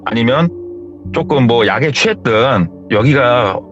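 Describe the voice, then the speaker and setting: On a muffled recording laid over music, a man with a medium-pitched voice takes his time as he hosts a horror story radio program. He relaxedly recounts a true story sent in by a viewer, bringing it to life by performing each character's lines.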